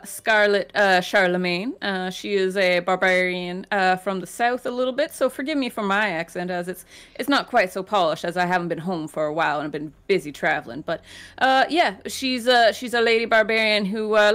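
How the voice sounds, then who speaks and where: A friendly woman who runs tabletop games, chatting as a stream guest. Her voice sits at an ordinary pitch, and she speaks through a headset. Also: animated, a little fast, fairly bright tone. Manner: friendly, laughs easily. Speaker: game master guest. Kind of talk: casual chat.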